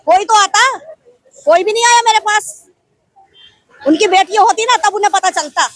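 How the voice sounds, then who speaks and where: Middle-aged woman, very high voice, rapid and indignant, grieving mother in a street interview, dry close sound. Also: a bit bright, no echo. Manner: impassioned, indignant, fires rhetorical questions.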